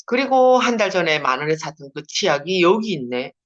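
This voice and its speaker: A woman's voice: on the low side, sing-song, brisk. A woman from Busan with a strong Gyeongsang accent, giving a chatty seminar talk over a video call and laughing often. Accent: Busan Gyeongsang dialect. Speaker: network marketing leader giving a seminar. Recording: dull lo-fi video call audio.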